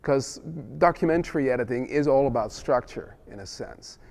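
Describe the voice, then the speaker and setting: A middle-aged man from the Netherlands, Dutch by first language, talks about his work in an easygoing interview. He rambles, restarts his sentences and leans on fillers, and his pitch sits in a plain middle range. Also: normal speed, a little mellow. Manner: rambling, many restarts and "you know". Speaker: film director. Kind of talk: casual interview answers.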